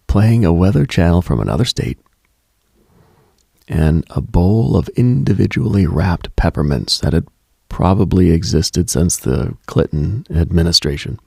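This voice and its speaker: A man hosting a late-night mystical radio show, telling eerie reflective stories in a hushed, halting, musing way with a gravelly, husky, breathy voice close to the mic. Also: low-pitched, lively intonation, no echo.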